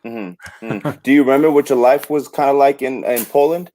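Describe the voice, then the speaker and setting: A man's voice: medium pitch, steady tone, normal speed, dark tone, rough recording. A man co-hosting a podcast, asking questions and often murmuring agreement. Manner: attentive, frequent affirmations. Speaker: podcast co-host. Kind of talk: podcast interview.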